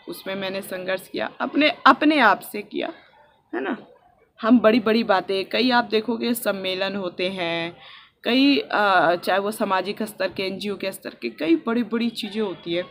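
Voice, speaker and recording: A young woman from India talking softly and earnestly in a personal vlog, recorded outdoors on a rooftop with a phone on a selfie stick. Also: a little high, a little hiss or hum. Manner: earnest and heartfelt, speaking softly. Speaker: vlogger.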